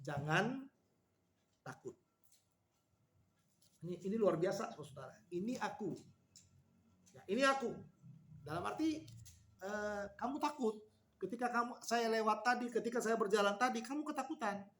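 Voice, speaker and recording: A man preaching a sermon to a women's fellowship, explaining Bible passages and acting out quoted lines with lively repetition. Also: high-pitched, brisk, a little hiss or hum. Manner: animated, repeats key phrases, acts out quoted lines.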